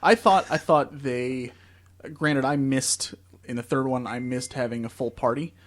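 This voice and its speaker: A man's voice: mid-range voice, fairly even intonation, a little slow. A young man co-hosting a podcast, telling long easygoing stories in casual chat. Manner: easygoing, rambling storyteller. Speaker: podcast co-host. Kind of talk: casual chat about video games.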